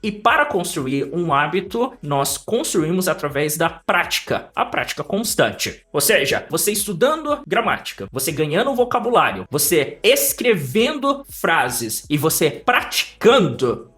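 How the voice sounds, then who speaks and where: A man teaching in a lively, emphatic way, asking rhetorical questions and giving advice to learners. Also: on the high side, a little slow. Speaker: English teacher. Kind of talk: lecture to camera.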